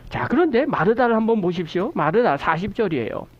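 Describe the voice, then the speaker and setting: A pastor delivers a Sunday sermon with a lively, swooping delivery, often putting questions to the listeners. The sound is a little muffled and lo-fi. Pitch sits in a middle range. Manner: animated preaching, asking the congregation questions; explains a scripture word's meaning slowly. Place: church sanctuary.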